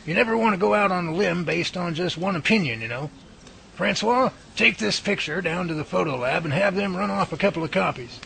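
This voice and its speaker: A man plays a confident, good-humored professor in a radio drama. The voice is bright and forceful with heavy creak, folksy and explanatory, over faint background noise. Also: high voice, animated, a little fast, full character voice. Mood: brisk, commanding. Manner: folksy, explanatory, take-charge.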